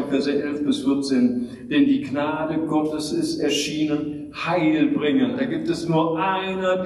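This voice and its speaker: A man preaching in a large, echoing hall, heard from some distance away. His voice sits a little high for a man, and he speaks slowly and emphatically, with frequent pauses and calls of amen. A faint hiss of room noise runs underneath. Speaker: pastor. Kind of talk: sermon. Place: church hall. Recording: distant mic in a reverberant hall.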